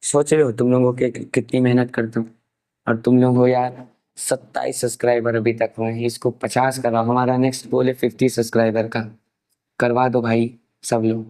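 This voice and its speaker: A man's voice: mid-range voice, little pitch movement, moderate pace, mellow, rough recording. A young man from India with an Indian accent, teaching English grammar in an online class, explaining step by step and dictating examples word by word. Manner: mixes English terms into Hindi explanation.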